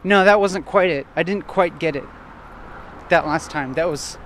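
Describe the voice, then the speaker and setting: A man walking outdoors and thinking aloud in short, broken phrases, at times loud and assertive, almost shouting. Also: on the high side, normal speed, a little hiss or hum. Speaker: vlogger. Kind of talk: reflective walking monologue. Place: outdoors on a street while walking.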